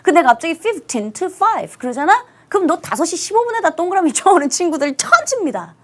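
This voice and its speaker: A woman teaching an online English lesson to high school students, speaking emphatically and stretching out stressed English words. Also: sing-song, brisk.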